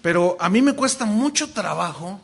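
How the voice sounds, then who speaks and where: A Mexican pastor teaching a Bible class, animated and joking, with lots of restarts. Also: male voice, high voice, moderate pace, gravelly, husky.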